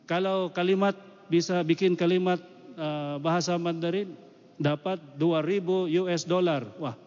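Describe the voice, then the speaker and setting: A man's voice: high voice, fairly even intonation, normal speed, a little mellow. A man preaching informally in a conversational sermon style, explaining with everyday examples. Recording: echoey hall, dull muffled sound.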